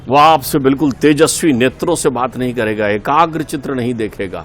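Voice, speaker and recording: A man's voice: medium pitch, a little fast, a bit bright. A middle-aged man giving a spiritual talk as a guest in a TV interview, earnest and preaching, repeating key points for emphasis.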